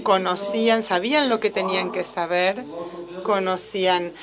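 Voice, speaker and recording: A woman interprets a lecture live, keeping a steady, fluent flow with only the odd restart. Her voice sits at an ordinary middle pitch. The sound of a gathered audience is clearly heard behind her. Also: measured pace, a crowd in the background. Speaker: simultaneous interpreter.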